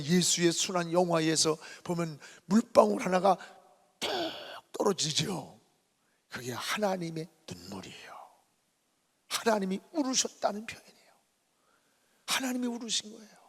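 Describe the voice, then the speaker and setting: A middle-aged male pastor preaching a revival sermon, telling a story dramatically and swinging between hushed whispers and loud cries. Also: high voice, creaky. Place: church sanctuary. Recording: hall reverb.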